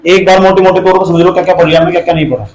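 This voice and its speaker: A male teacher giving a classroom lecture, quizzing his students and scolding them to keep quiet. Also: sits high, fairly even intonation, rapid-fire. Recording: echoey classroom.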